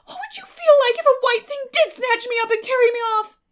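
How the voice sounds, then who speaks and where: A woman's voice: extremely high pitch, a little fast, voice pushed up. A woman voicing a terrified, imaginative little girl in a dramatic audiobook, breathless and melodramatic, with gasps and whispers. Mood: sobbing. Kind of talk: dramatic audiobook character acting.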